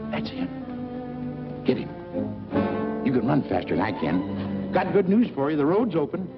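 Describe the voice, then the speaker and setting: An excitable, folksy small-town man in a 1940s thriller. His voice swings widely as he calls out. Loud music plays behind him on a dull old soundtrack. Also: fairly high pitch, moderate pace. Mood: urgent. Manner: folksy, calling out. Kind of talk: 1940s film acting.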